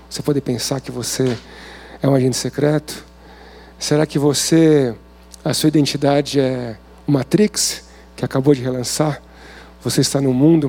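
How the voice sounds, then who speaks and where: A man with a Brazilian Portuguese accent delivers an informal sermon at a men's service, speaking conversationally and posing many rhetorical questions. His mid-range voice is creaky, husky and a little mellow.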